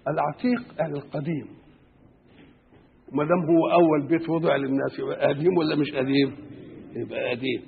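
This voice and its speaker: A man's voice: fairly high pitch, steady tone, brisk, creaky, long pauses, slightly rough. A man with an Egyptian Arabic accent teaching Quran exegesis, posing rhetorical questions and answering them himself. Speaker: religious scholar. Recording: tinny phone-like lo-fi recording.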